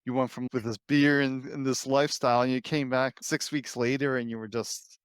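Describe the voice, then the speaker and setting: A man hosting an interview, speaking calmly and reflectively, affirming his guest. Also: mid-range voice, brisk, clean tone, dry recording, studio quality. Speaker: podcast host. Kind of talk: conversational interview.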